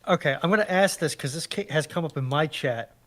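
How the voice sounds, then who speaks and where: A man's voice: fairly high pitch, brisk, fairly bright tone. A man speaking casually as a panelist in a live discussion. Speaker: panelist relaying a chat question.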